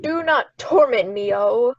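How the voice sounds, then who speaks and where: A woman's voice: a little high, animated, slow, dry recording, heavily acted. A woman playing a resentful, cursing monster slave of an island in a Shakespeare radio play, afraid of tormenting spirits. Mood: fearful. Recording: dull lo-fi sound with clear noise.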